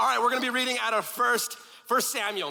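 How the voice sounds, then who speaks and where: Very fast speech in a raised, projected voice. The tone is bright and sharp. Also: man. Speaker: pastor. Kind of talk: sermon.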